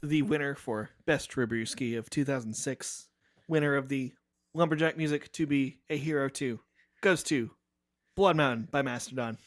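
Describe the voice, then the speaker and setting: A man's voice: medium pitch, moderate pace. A man, a musician guesting on a podcast, chatting casually with earnest enthusiasm.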